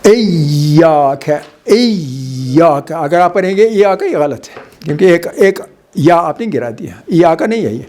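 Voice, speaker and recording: A middle-aged man teaches Quran recitation in a slightly high voice. He stretches syllables slowly to demonstrate each sound, then explains briskly. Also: expressive, a little mellow. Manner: slow drawn-out demonstration of syllables. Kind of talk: religious lesson on Quran recitation.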